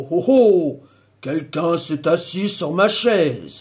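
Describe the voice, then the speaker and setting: A put-on character voice growls along at a fairly slow pace. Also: man, high pitch for a man. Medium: read story. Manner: slow, booming.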